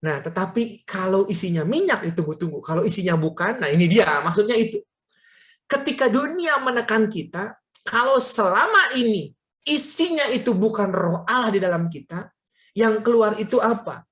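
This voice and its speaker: A woman's voice: medium pitch, lively intonation, normal speed. A woman preaching a sermon at a prayer meeting, telling stories and speaking directly to her listeners as friends. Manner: storytelling, addressing listeners as friends.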